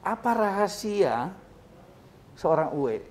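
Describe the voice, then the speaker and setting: A man's voice: sits high, sing-song, slow, slight background noise. A man hosting an interview show, chatty and casual, with frequent short agreeing replies.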